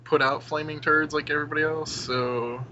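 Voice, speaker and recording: A man's voice: fairly high pitch, steady tone, fairly quick, pushed and bright. A man talking casually as a podcast panelist, blunt and irreverent, with some swearing. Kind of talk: casual chat. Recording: dull lo-fi voice chat, noisy.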